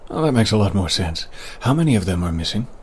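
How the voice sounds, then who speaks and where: A man's voice: on the low side, very animated, fast talker, a little hiss or hum. A man playing an easygoing, boastful monster hunter for hire in an audio drama, with a hesitant, rambling delivery. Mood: casual, curious. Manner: hesitant, rambling, munches while talking.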